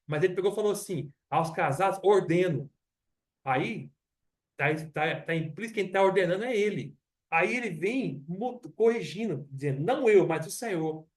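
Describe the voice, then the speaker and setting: Recorded from a distance in a church hall, a man with a Brazilian Portuguese accent leads a Bible study in a conversational teaching style, posing rhetorical questions and repeating himself. His voice sits high, and he speaks animatedly at a normal speed.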